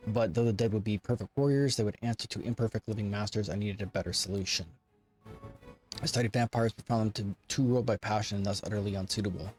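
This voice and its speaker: A man's voice: lowish voice, steady tone, fast talker, darkish tone, soft background music, lightly acted. A man voicing an arrogant, lordly ancient undead lich from a fantasy game, with haughty, formal, archaic speech. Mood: proud. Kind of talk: reading game dialogue in character.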